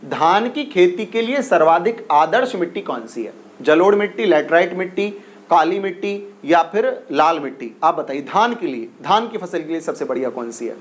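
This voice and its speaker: A man teaching an exam-prep class in a high, bright-toned voice. He repeats each question several times and keeps urging his students to answer fast. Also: expressive. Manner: repetitive, coaxing, drills questions and urges quick answers.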